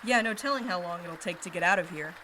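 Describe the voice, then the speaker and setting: A woman's voice: on the low side, fast, pushed and bright, low-quality recording. A woman playing a brusque, sarcastic young woman in an audio drama, talking in a blunt, casual way. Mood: groggy, startled. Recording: clear background ambient noise.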